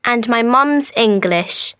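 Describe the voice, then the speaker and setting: Brief: slightly high woman's voice, very slow careful dialogue, dry studio. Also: lively intonation, fairly bright tone, smooth, dry recording. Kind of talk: scripted textbook dialogue.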